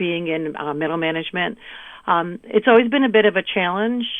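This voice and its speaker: This voice has an upstate New York accent. The pace is fairly quick. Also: woman. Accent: upstate New York American. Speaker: former radio program director. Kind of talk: radio interview.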